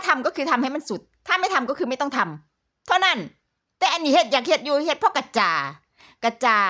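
A woman with a high-pitched voice speaks in a raised, projected way, her tone bright, sharp and animated, with very wide pitch swings. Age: 40s. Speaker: YouTuber. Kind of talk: commentary vlog.

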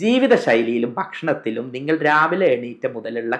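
A man at medium pitch in a normal speaking voice. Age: 30s. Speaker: homeopathic doctor. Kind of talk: health advice talk to camera.

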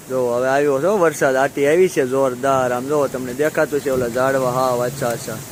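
This man talks at a medium pitch and with fairly even intonation, while noticeable background noise runs behind him. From Saurashtra, Gujarat (Amreli district). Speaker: farmer and village vlogger. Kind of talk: casual vlog narration. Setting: outdoors on a farm in rain.

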